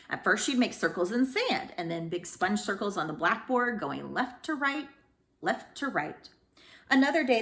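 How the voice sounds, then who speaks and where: A woman reads a children's story aloud in a mid-pitched voice. Her intonation is very lively, rising and falling widely, and she shapes each phrase deliberately and dramatically as a storyteller. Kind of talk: expressive scripted storybook narration.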